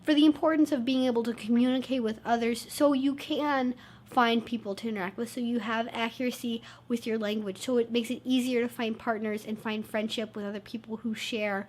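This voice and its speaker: Woman vlogger, congested and tired, earnest and reassuring, a touch high. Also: fairly even intonation, brisk, a little mellow. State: congested, stuffed-up nose; low on energy. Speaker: YouTube channel host. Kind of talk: casual talk to camera.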